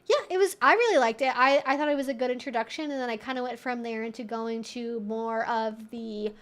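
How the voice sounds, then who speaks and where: A woman's voice: fairly high pitch, fairly quick, fairly bright tone. A young woman hosting a livestream, chatting informally and thinking aloud in a rambling way as she answers viewers. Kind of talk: casual livestream chat.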